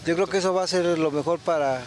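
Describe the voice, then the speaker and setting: A man's voice: a little high, fast talker, darkish tone. A man in his sixties with a Mexican Spanish accent, answering a street interview outdoors into a handheld mic, thoughtful and hesitant with many fillers. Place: outdoor town square. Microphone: handheld reporter mic.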